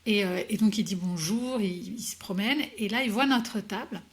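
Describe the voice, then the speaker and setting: A woman coach as an interview guest, telling her story hesitantly with many pauses and restarts. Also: mid-range voice. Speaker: executive coach, podcast guest. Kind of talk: conversational interview answers.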